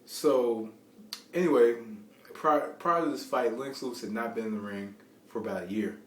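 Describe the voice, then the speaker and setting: A man giving informal, unscripted boxing commentary in a rambling, halting way, often repeating phrases as he restarts. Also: medium pitch. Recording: roomy, distant mic, faint background noise.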